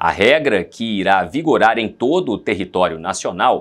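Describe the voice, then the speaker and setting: This man's voice swings very widely in pitch. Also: very clean recording, silent background. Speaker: news anchor. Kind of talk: news reading. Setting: studio.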